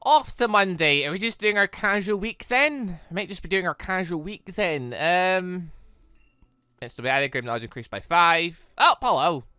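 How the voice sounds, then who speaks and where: A gaming YouTuber giving casual, rambling, expressive let's play commentary on a visual novel, speaking emphatically. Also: mid-range voice, normal speed, clear, resonant tone, no echo, studio quality. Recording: game music playing behind voice. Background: visual novel game music.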